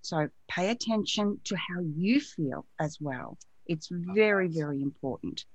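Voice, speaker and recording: A woman hosting a live-streamed interview, gentle and effusive, greeting viewers and reading out their questions. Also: lowish voice, animated, unhurried, noisy background. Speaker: radio show host.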